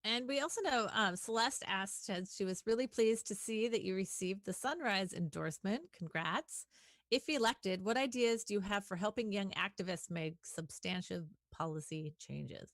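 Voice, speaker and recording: Woman moderator, low gravelly voice, relaxed, dry video-call sound. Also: moderate pace, no echo. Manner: relaxed, reads out audience questions. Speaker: town hall moderator. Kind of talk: moderating a video town hall.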